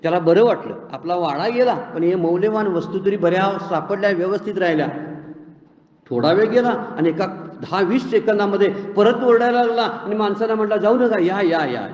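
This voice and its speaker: High-voiced man preaching. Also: fairly quick, darkish tone. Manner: folksy storytelling with rhetorical questions. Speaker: spiritual discourse speaker. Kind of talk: devotional discourse on scripture. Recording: roomy echoing hall, slightly muffled.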